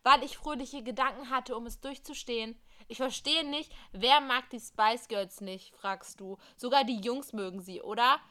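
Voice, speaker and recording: A woman's voice: fairly high pitch, normal speed, few pauses, sharp tone. A woman co-hosting a podcast, reading an interactive story game aloud with casual asides.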